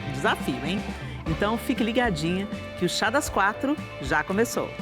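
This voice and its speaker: A woman's voice: medium pitch, sing-song, normal speed, loud music behind the voice. A woman hosting a TV talk show from a studio, speaking enthusiastically with frequent restarts and tag questions. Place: television studio.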